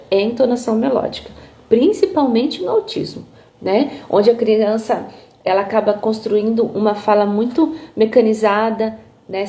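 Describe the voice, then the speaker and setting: Her fairly high, warm voice carries a Brazilian accent as she teaches a live online lecture from her phone. A music therapist, she explains things step by step, uses her voice to show intonations, and keeps tagging her lines with little checks.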